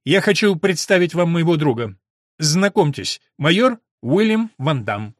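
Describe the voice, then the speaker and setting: A man's voice: on the high side, very animated, measured pace, no room sound, clean studio sound. A man voicing an earnest young male recruiter who talks persuasively.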